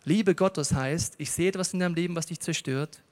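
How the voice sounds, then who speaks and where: A male preacher with a notably high voice delivers a sermon full of personal stories. He jokes with the audience and talks to them directly. The sound carries a long reverb from a large hall. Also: brisk. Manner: lively storytelling, jokes with the audience.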